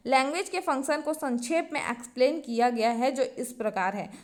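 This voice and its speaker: A woman's voice: high-pitched, expressive, a little fast. A woman teaching an exam-prep lesson, reading each point from her notes, then restating it simply and checking in with the class often.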